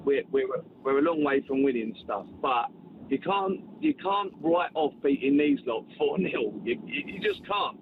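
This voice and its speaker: A man calling a sports radio show, talking excitably and repeating himself. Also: fairly high pitch, normal speed, noisy background. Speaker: caller, football fan. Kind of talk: phone-in call. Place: travelling home. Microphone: phone. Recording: tinny phone line.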